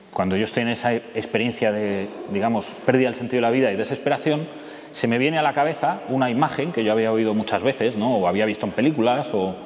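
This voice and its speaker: A man in his early forties with a Castilian Madrid accent, giving an informal personal testimony to an audience in a conversational, halting way. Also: mid-range voice, darkish tone. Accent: Castilian Spanish from Madrid. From Madrid, Spain. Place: church interior, seated at a table. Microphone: lapel microphone. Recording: echoey church hall, clear background noise.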